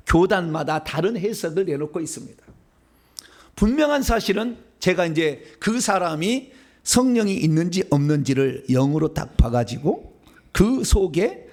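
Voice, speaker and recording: A middle-aged man from Seoul preaches his sermon in a high, lively voice that swings widely in pitch. He keeps putting questions to the congregation and answering them himself, like a conversation from the pulpit. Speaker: pastor.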